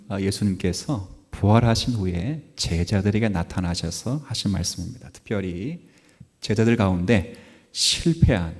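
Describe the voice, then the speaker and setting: A male pastor in his forties preaching at a Sunday church service, telling a family story with lively jumps in pitch and loudness and asking the congregation questions. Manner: animated storytelling, acts out quotes with sharp jumps in pitch and volume; asks the congregation questions and laughs along. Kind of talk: sermon.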